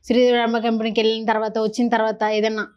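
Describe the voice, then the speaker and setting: A woman's voice: on the high side, completely flat delivery, rapid-fire, dull audio. A woman interviewing children in a casual, teasing and chatty way, holding a handheld mic. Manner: playful, teasing, chatty with kids.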